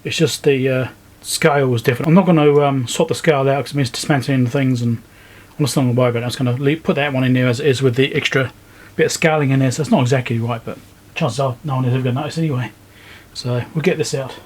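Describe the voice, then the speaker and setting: A man giving casual, low-key commentary as he works, thinking aloud step by step like a repair video host. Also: fairly even intonation, quick pace, husky. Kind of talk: casual hands-on commentary while working. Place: indoor repair workbench.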